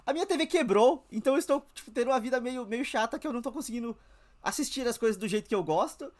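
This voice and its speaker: A woman's voice: fairly high pitch, animated, fast talker, a little mellow. A young woman, co-hosting a casual podcast chat, talking with lots of fillers. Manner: chatty, leans on fillers like "tipo assim". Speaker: podcast co-host.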